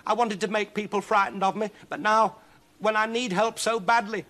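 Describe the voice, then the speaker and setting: A man voicing a miserable, snappish old witch in a storybook, with a shrill, plaintive snarl. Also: steady tone, brisk, bright, forceful tone. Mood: wailing, desperate. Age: older.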